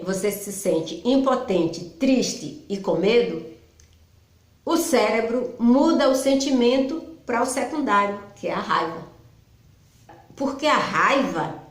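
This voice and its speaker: Echoey woman explaining conversationally. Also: medium pitch. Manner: conversational, personal, with frequent "então" restarts. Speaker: psychology channel host. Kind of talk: informal explanatory talk.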